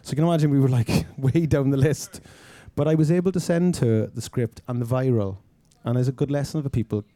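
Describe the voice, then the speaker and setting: Man from Wales, quick and lively raconteur who laughs and acts out quotes; very dark timbre. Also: medium pitch, no echo. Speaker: film director guest. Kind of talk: anecdotal storytelling.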